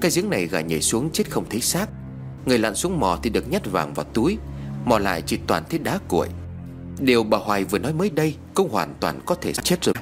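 A male storyteller, narrating a spooky tale with lively rises and falls in his voice. His reading is dramatic and expressive, with faint music playing underneath. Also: fairly low pitch, fast.

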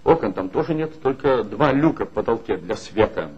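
An actor playing a bitter, ironic former magazine writer in a 1960s radio play, speaking in a measured, wry way. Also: male voice, fairly low pitch, expressive, a little mellow, husky. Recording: dull old 1960s radio recording with faint hiss.

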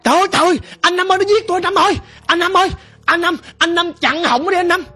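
Woman voicing a shrill pleading ghost wife. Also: expressive, fast talker. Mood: screaming. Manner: shrill, wailing pleas. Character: dead wife's ghost, pleading desperate woman.

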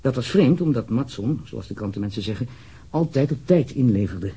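A self-important ministry official in a radio drama. He speaks in a very husky, rough voice, with fussy, pompous emphasis. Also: mid-range voice, expressive, warm tone. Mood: grave, self-important. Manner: fussy, emphatic, halting, swearing.

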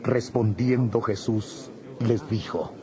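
A man narrating a dramatized audio Bible from a script in a husky, mellow voice. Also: lowish voice, fairly even intonation, slow, crowd noise. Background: music.

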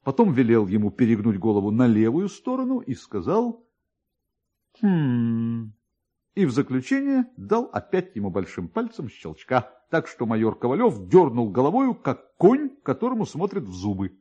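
A man narrating a literary story in an expressive style. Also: mid-range voice, normal speed, slightly rough, dull audio.

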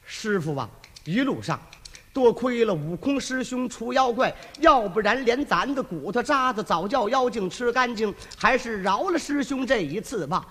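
Low earnest disciple monk, done by a storyteller. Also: expressive, normal speed, fairly bright tone, slightly rough, long reverb tail. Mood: pleading. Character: Sha Monk, humble loyal disciple.

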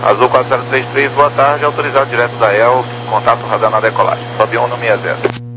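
A Brazilian man speaks as an air traffic controller over crackly, humming radio. He rattles off clipped, procedural instructions very quickly, in a mid-pitched voice with clear background noise. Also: flat delivery. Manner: terse, procedural. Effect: crackly aviation radio.

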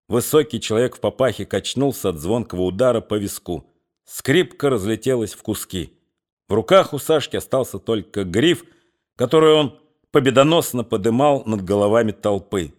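Man reading a novel aloud. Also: medium pitch. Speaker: audiobook narrator. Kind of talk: scripted literary narration.

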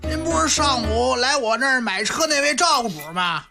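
A glib, smooth-talking male shop boss, put on by a woman in a radio comedy drama. The voice sits fairly high and bounces around lively as he soothes and dodges. Music runs behind. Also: a little fast. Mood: placating. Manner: wheedling, placating, glib excuses.

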